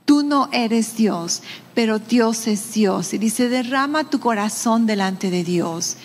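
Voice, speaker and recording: A woman pastor delivers a sermon in a higher-pitched voice, speaking directly to her listeners with a string of rhetorical questions. The sound carries a long reverb, as in a large church hall. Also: slow, slight background noise. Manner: conversational preaching with rhetorical questions.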